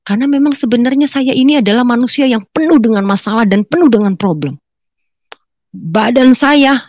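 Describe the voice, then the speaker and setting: A woman giving a personal testimony to a congregation, telling her story in a lively way, acting out dialogue in slang and often calling out to her listeners. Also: on the high side, dry recording, clean studio sound. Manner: acts out quoted dialogue in colloquial slang. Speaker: testimony speaker.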